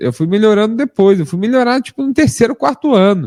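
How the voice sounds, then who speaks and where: A man's high-pitched voice with a dark, mellow tone, very wide pitch swings and a dry, close sound with no echo. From Minas Gerais, Brazil. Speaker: stand-up comedian. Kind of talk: podcast interview answer.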